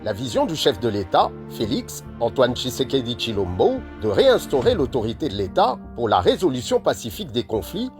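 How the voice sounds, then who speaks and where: Male reporter for scripted narration, very expressive pitch, faint music bed. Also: fairly quick, few pauses.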